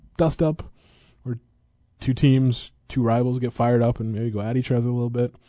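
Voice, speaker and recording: Fairly quick in pace, a man speaks with a dark, mellow tone at a medium pitch. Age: 30s. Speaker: sports beat writer. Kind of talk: casual chat.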